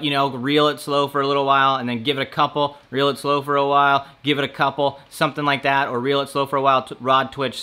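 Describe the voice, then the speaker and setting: A man's voice: medium pitch, pushed and bright. A man hosting a fishing channel, giving practical step-by-step tips in a casual instructional talk.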